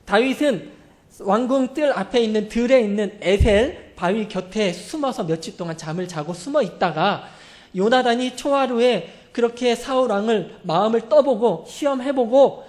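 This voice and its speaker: Pastor, sermon, lively storytelling, asks questions, acts out quotes. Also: medium pitch. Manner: animated, acts out quoted speech.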